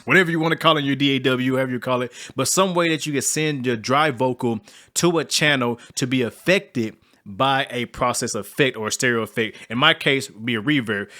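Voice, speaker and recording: Laid-back man with a low voice. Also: bright, forceful tone. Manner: laid-back, slangy, rambling with fillers. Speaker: music production tutor. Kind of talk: casual screen-recorded tutorial.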